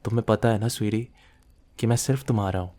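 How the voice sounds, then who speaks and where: A possessive mafia boss acted by a man speaks intimately in a low, dark, relaxed male voice. He is controlling and teasing, with a quiet threat under his words, in the close style of an ASMR roleplay. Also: fast, close to an everyday voice. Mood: seductive, possessive.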